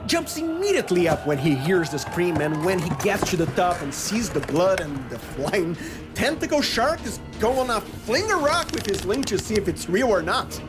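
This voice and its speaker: Female tabletop player, lively swooping delivery, improvised action narration, heavy music underneath. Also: mid-range voice, moderate pace.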